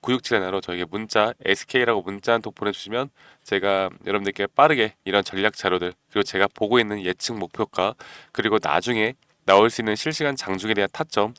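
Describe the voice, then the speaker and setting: Man with a cold, low clear voice. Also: quick pace, few pauses, a bit bright, no echo. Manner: persuasive, keeps asking viewers "you know?". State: has a cold, clears his throat often. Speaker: stock market channel host. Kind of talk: stock analysis talk to viewers.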